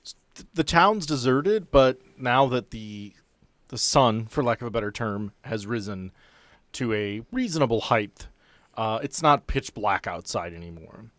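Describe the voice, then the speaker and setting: A man acts as game master for a tabletop game. He improvises in a conversational, stop-and-start way, with a medium-pitched voice. The recording is dry, with hardly any room sound. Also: expressive, a little slow, a bit bright, dry recording. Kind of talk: casual tabletop game narration.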